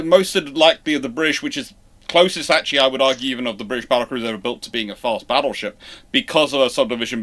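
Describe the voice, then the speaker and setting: Male live-show host, mid-pitched, explanatory and discursive, often breaking off to rephrase himself mid-sentence. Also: pushed and bright. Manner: explanatory, halting with false starts and self-corrections. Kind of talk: informal live Q&A commentary on naval history.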